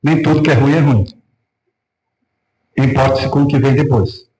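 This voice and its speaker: A man with a Brazilian Portuguese accent, a pastor preaching a sermon in an animated way. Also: mid-range voice, moderate pace. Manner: animated preaching, acting out quoted voices. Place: church hall. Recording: echoey church room.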